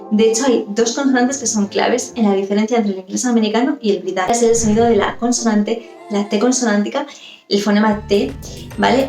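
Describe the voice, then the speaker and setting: A woman's voice: medium pitch, darkish tone, echoey room. A woman teaching English pronunciation, explaining and demonstrating sounds and often checking in with the listener. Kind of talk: explanatory lesson.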